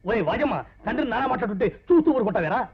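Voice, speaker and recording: An actor playing a domineering, greedy old grandfather in a film drama, scolding loudly. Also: very high voice, animated, very fast, creaky, husky, full character voice. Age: older. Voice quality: scolding, blustering. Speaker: stubborn grandfather. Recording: dull old film soundtrack with music.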